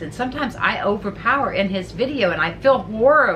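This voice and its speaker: Amid noticeable background noise and audible room echo, a woman with a fairly high pitch speaks at a moderate pace with lively intonation. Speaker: vlogger. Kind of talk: casual chat. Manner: loud.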